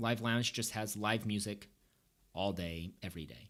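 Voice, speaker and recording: This man has an American accent and a plain, everyday voice, pitched fairly low. He speaks at a moderate pace on a very clean recording with a silent background. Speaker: travel podcast co-host. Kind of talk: casual chat. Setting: recording in Amsterdam.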